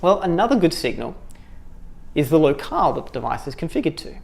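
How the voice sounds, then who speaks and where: A man's voice: a little high, big pitch swings, fairly quick, creaky. A man in his thirties with an Australian accent, presenting a scripted tutorial on app development in an upbeat way in a studio. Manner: upbeat, gestures with hands while talking. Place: studio with dark backdrop.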